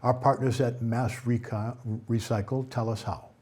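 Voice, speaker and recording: A man anchoring a local news roundup, reading stories in a steady way with occasional slips and self-corrections. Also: mid-range voice, moderate pace, slightly rough, faint music behind.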